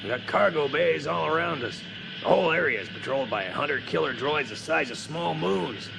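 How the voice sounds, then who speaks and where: A man playing a wry, easygoing spaceship copilot in an audio drama, with a gravelly voice and folksy manner. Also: on the high side, lively intonation, a little fast, noisy background. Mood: wry, relaxed. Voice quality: gravelly, creaky.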